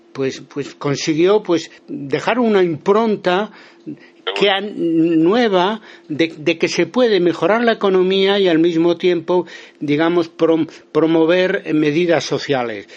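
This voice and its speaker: A Galician man talks through a muffled phone line in a slightly high voice. He hesitates often, filling gaps with "eh" and restarting his phrases as he explains his views. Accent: Galician Spanish. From Spain. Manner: hesitant, many fillers and restarts. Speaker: interview guest, historian. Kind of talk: phone interview.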